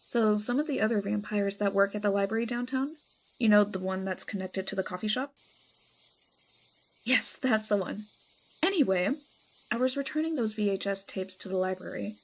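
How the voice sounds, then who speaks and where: A woman's voice: mid-range voice, moderate pace, close to an everyday voice, poor audio. Playful vampire woman, acted out, over night noise. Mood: excited, chatty. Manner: casual, teasing, dramatic exaggeration. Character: playful, chatty, affectionate female vampire friend. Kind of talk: roleplay ASMR audio drama.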